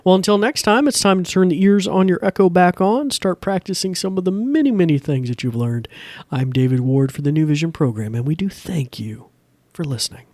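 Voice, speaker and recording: A man's voice: high-pitched, expressive, brisk, a little mellow, dry recording. A man hosting a podcast, giving a casual, chatty, informal tutorial into a close mic. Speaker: podcast host. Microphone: close podcast mic through a mixer.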